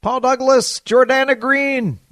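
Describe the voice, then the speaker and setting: A man hosting a radio show, talking casually in halting, drawn-out phrases. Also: very high voice, fairly even intonation, a bit bright, dry recording, studio quality, faint music behind. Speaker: radio host.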